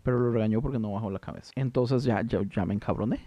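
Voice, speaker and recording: A Costa Rican man in his thirties, co-hosting a casual podcast chat with animated, slangy, self-mocking talk. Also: mid-range voice, fast talker, no echo. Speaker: podcast co-host, worship leader.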